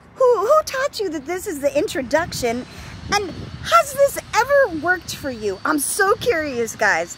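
Her tone animated and her pitch extremely high, a woman speaks at a fairly slow pace in a dry sound with no echo over light background noise. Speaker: video blogger. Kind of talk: angry rant. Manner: sarcastic, incredulous; animated, scolding, laughing between lines. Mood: amused, mocking, exasperated. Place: street. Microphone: phone near.

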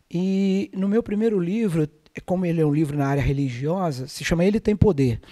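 Against a quiet background, a man with a Brazilian accent speaks at a moderate pace in a high, dark, mellow voice with lively intonation. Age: 50s. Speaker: TV talk show host. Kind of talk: talk show hosting. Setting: TV studio, live broadcast. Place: studio. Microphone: handheld.

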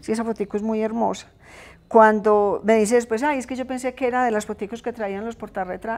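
The speech comes at a very fast pace. Its intonation stays fairly even. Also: woman. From Colombia, Antioquia (La Unión). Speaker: teacher. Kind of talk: interview. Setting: TV studio. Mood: warm, nostalgic. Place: home room.

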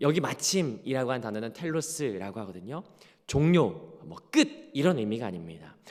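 Very wide pitch swings at a moderate pace. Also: man. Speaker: pastor. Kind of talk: sermon.

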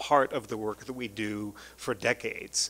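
A normal speaking voice from a man, fairly slow and with fairly even intonation. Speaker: international development agency adviser on faith engagement. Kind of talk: panel presentation. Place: hall.

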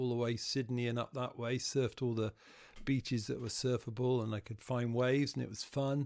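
Someone with an English accent is heard in a very clean recording with a silent background. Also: man. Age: 70s. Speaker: veteran surfer and skier. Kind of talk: casual chat. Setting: at his home.

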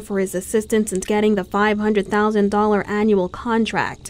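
A woman's mid-range voice stays flat and monotone as she speaks fairly slowly. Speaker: news reporter. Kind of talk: news reading.

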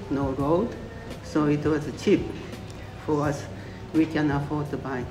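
Through noticeable background noise, a woman with a very deep, low pitch speaks at a very slow pace with fairly even intonation. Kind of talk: interview answer. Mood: calm, reflective.

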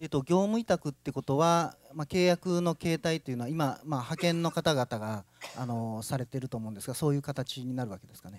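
A man with a normal speaking voice talks at a fairly quick pace, with hardly any pauses and a fairly high pitch. His intonation is lively, his loudness swings widely, and the sound is dry with no echo. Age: 30s. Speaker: city council member. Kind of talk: committee questioning. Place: meeting room. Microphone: podium.

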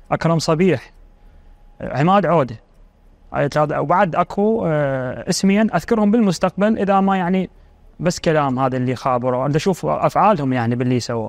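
Lively intonation in an Iraqi accent. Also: man, moderate pace. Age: 30s. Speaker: footballer; guest. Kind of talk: interview. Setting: studio. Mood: aggrieved, bitter. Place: cafe.

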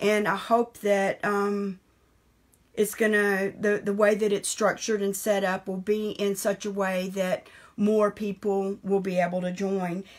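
A woman with a Southern US accent talks at a fairly slow pace in a monotone, flat intonation. The background is quiet. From US South. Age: 50s. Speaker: paint and craft business owner; art teacher. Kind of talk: live stream chat. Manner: casual, halting. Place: workshop. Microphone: phone near.

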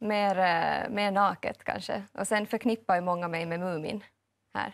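With a Finland-Swedish accent, a woman speaks at a moderate pace. Her pitch varies in an ordinary way. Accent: Finland-Swedish, little changed. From Finland, Swedish-speaking, Ekenäs. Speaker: singer-songwriter. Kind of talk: TV interview.

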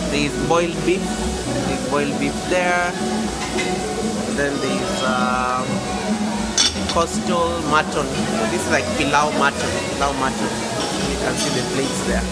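Over loud music in the background, the speech moves at a fairly slow pace with long, frequent pauses. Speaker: food vlogger. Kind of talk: casual vlog commentary. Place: hall. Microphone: phone near.

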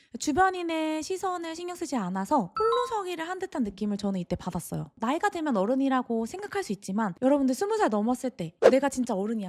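Over noticeable background noise, a woman talks at a very fast pace in a high voice. Her pitch swings very widely. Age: 30s. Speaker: fitness trainer and former teacher. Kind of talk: personal vlog monologue.

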